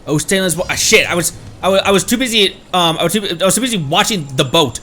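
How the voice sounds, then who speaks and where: Animated male game streamer, excitable. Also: sits high, fast, a little hiss or hum. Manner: excitable, exclaiming and thinking aloud. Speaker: streamer, VTuber. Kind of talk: casual live game stream commentary.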